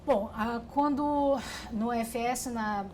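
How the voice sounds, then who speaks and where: Middle-aged woman telling her story slowly, lots of restarts, faint hiss behind. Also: a little high, a little mellow. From Brazil. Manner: reflective, with frequent restarts and fillers. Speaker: interviewee. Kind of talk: oral history interview.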